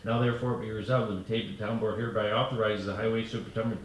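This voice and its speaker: A man on a town board reading a formal resolution aloud, stumbling and slowing over the numbers, in a town hall. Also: fairly low pitch, fairly even intonation. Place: town hall meeting room. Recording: echoey room, far from mic, faint noise.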